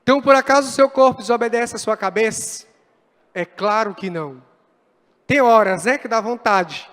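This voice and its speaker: A man with a very high-pitched voice delivers an animated sermon, slipping into quoted voices as he tells his stories. His words ring out through a church hall with a long reverb trailing behind them. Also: normal speed. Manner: animated, acts out quoted dialogue. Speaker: pastor.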